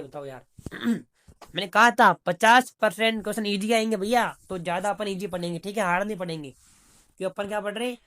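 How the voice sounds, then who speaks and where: In this exam-prep video, a man with a high-pitched, slightly bright voice teaches reasoning. His manner is chatty; he calls students "bhaiya" and asks questions only to answer them himself.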